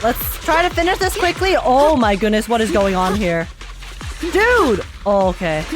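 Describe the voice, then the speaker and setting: A woman's voice: fairly high pitch, very animated, moderate pace, over music. A woman streaming a game with live, slangy, emotionally invested reaction commentary.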